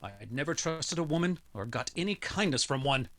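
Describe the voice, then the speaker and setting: An actor playing an insistent, lovesick rich client in an old-style noir radio drama, pleading and emphatic. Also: male voice, a little high, animated, moderate pace, a bit bright. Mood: defensive, pleading. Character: desperate, lovesick self-made rich male client.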